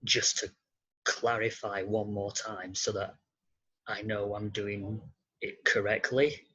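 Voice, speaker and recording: A young British man answering interview questions casually, in a hesitant, halting way with repeated starts. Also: on the low side, level tone, sharp tone, breathy edge, muffled recording. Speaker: interview guest.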